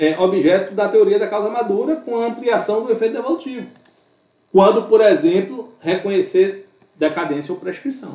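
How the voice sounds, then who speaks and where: Lively intonation and a moderate pace in a man's high-pitched voice. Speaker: law professor. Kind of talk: lecture.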